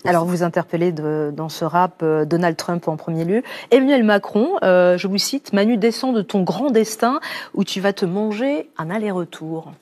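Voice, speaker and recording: A woman news anchor with a lowish voice, interviewing a studio guest on an evening news bulletin. She asks her questions in a measured, professional way, pausing now and then. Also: darkish tone. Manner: measured, poses questions with some hesitation. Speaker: TV news presenter.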